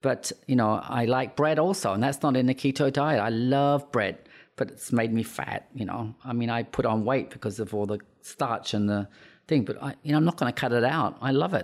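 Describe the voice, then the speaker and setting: A man's medium-pitched voice with an Australian accent, ordinary in pitch variation and moderate in pace, on a very clean recording with a silent background. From Western Australia. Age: 60s. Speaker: hairstylist. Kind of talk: interview conversation.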